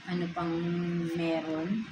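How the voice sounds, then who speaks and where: A woman's voice: on the low side, steady tone, slow, echoey room, background noise. A woman with a Filipino accent giving a casual tarot reading, tagging nearly every phrase with a questioning "no?". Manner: mixes English into Filipino, ends phrases with a questioning "no?". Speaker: tarot reader.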